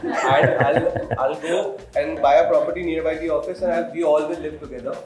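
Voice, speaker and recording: A man's voice: a little high, steady tone, normal speed. A man in the audience giving an informal answer to a speaker at a talk. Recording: echoey hall with loud crowd noise.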